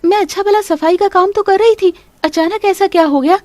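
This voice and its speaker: A woman voicing a poor housemaid in an animated story, talking in a humble, pleading way. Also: extremely high pitch, brisk, dry recording, voice pushed up.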